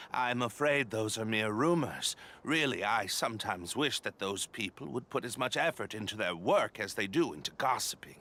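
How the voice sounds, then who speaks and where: A man voicing a polite, flattering yet dismissive expedition leader in a video game, speaking formally. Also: lowish voice, a little hiss or hum. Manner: courteous, formal, measured politeness. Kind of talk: English video game voice acting.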